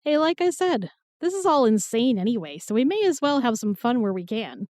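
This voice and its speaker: Plucky young outsider for fantasy audio drama, female actor: irreverent, bouncy intonation, higher pitch, flippant, dry recording. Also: a little fast, dry recording. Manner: casual, flippant, excitable.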